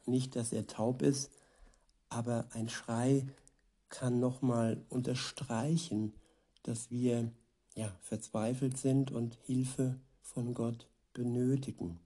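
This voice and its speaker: A man preaching in a devotional style, reading scripture and commenting on it. His voice is very dark and mellow, with a husky, breathy edge. He speaks extremely slowly and deliberately, often repeating lines. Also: medium pitch, flat delivery. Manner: slow, measured, repeats verses for emphasis.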